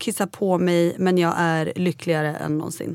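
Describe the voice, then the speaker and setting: A woman talks at a very slow pace. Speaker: podcast co-host. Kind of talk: casual chat.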